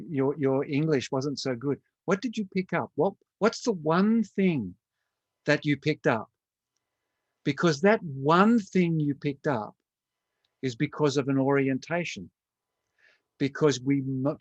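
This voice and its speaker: A man's voice: fairly high pitch, no room sound, dull audio. Man lecturing in a dry, close voice. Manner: conversational, addresses listeners by name. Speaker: conference speaker. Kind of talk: online conference lecture.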